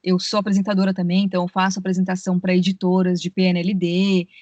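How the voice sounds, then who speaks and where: A woman's voice: fairly low pitch, completely flat delivery, fast, darkish tone, no room sound, dull audio. A woman, a voice actress and audiobook narrator, explaining her work at length on a podcast call and often saying "né". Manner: explains at length, many fillers like "né" and "assim". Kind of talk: podcast interview over a call. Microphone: remote call.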